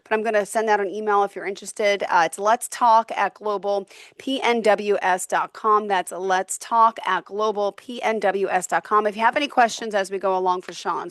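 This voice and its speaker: A woman's voice: medium pitch, moderate pace, no room sound, studio quality. A woman hosting an interview show in a conversational style, introducing and questioning a guest.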